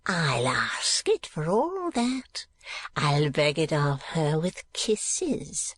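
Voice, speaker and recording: A man's voice: big pitch swings, very slow, fairly bright tone, no echo, studio quality, exaggerated voice. A man voicing a spiteful, lecherous old miser in an audiobook, with a cracked, sneering voice. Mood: gloating. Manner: sneering, wheedling, shrill outbursts. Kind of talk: dramatised audiobook reading.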